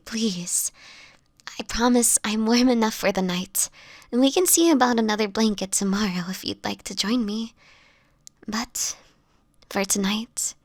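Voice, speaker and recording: A woman playing a gentle, world-weary, sickly homeless vampire in an audio roleplay, speaking softly and breathily in slightly old-fashioned phrases, close to the listener. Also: mid-range voice, vocal fry, no room sound. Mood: weary, reassuring. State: sickly, frail, with coughs.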